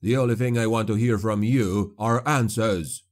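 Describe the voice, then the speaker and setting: A man's voice: on the low side, close to an everyday voice. A man doing a cold, vengeful witch hunter. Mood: furious. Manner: cold, venomous, measured.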